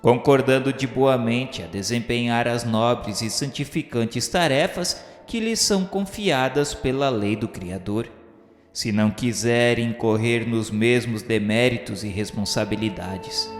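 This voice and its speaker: With music playing behind him, a man narrates a radio novel in formal, literary phrasing. His mid-pitched voice is solemn and declamatory, carried by a long hall reverb. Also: unhurried.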